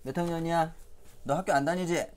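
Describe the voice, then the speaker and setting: A man's voice: a little high, steady tone, a little fast, a little mellow. A male English vocabulary teacher giving a playful lesson to young children, coaxing them with quiz questions and frequent chuckles.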